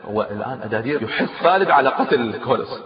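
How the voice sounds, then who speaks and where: A fast-talking man recounts history with emphatic, lively delivery, often pausing to comment on the tale. His voice rings in a long hall reverb, and the recording sounds dull and lo-fi. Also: medium pitch. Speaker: storyteller. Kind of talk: animated historical storytelling.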